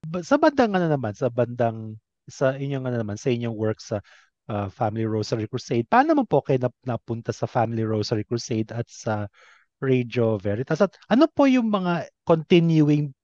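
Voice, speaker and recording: A man's voice: medium pitch, sing-song, normal speed, warm tone, dry recording. A Filipino man interviewing casually, polite and deferential, feeling his way through questions and mixing in English, in slightly muffled sound.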